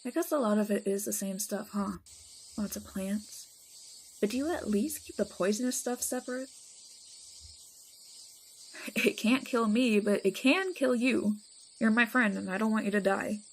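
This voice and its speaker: A woman's voice: mid-range voice, normal speed, pauses often, slight background noise, close to an everyday voice. A woman acts out a playful female vampire in an audio roleplay. She talks casually and affectionately to a friend, with teasing, dramatic exaggeration. Faint insect-like night ambience sits behind her voice. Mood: chatty, caring.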